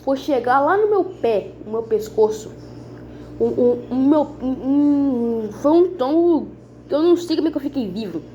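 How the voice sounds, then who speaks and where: Woman, Brazilian accent, church testimony, earnest and dramatic, repeats herself, soft warm tone. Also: high voice, lively intonation, moderate pace, dull audio, a little hiss or hum. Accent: Brazilian Portuguese. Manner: earnest, repetitive, dramatic storytelling that addresses listeners as brothers. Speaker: church member giving testimony. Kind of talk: spoken conversion testimony to a congregation.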